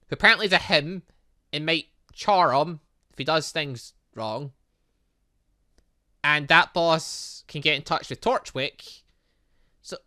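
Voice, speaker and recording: A man commentating on a game as its host, excitable and rambling, thinking aloud with frequent asides and exclamations. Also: fairly high pitch, dry recording, studio quality. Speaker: gaming channel host. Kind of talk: let's-play commentary, reading game dialogue aloud.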